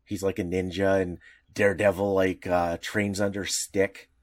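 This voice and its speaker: A man's voice: sits low, little pitch movement, moderate pace. A man co-hosting a podcast, talking casually in rambling, restarting sentences. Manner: rambling, lots of likes and restarts, laughs often. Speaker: podcast co-host. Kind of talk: casual chat.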